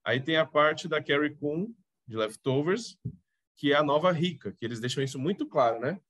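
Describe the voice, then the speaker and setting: A man's voice: a little high, lively intonation, normal speed, a bit bright, no echo. A man with a Brazilian accent chatting casually as a podcast co-host, coughing now and then while talking through a TV episode. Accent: Brazilian Portuguese. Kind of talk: casual chat reviewing a TV series.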